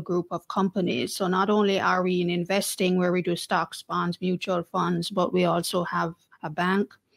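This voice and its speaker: At a moderate pace and with hardly any pauses, a woman speaks at a medium pitch in a dry, close sound with no echo, on a very clean recording with a silent background. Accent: Jamaican. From Jamaica. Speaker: marketing executive. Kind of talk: podcast interview.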